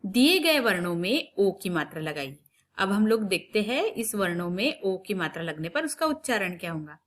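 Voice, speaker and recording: A woman teaching young children a recorded lesson, explaining patiently step by step and drawing out sounds slowly for them to repeat. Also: mid-range voice, big pitch swings. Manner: slow, drawn-out drilling of sounds, repeated for children to copy. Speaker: primary school Hindi teacher.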